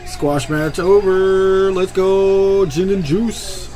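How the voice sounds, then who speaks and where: A man hosting a live reaction show, giving quick, excited running commentary on what is on screen. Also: high-pitched. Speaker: podcast host.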